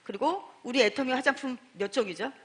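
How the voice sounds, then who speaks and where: Husky, high-pitched middle-aged woman; animated storyteller addressing a seminar crowd. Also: brisk. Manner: animated, acts out dialogue, asks the audience questions. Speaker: sales distributor giving a testimony. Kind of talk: storytelling talk to a seminar audience.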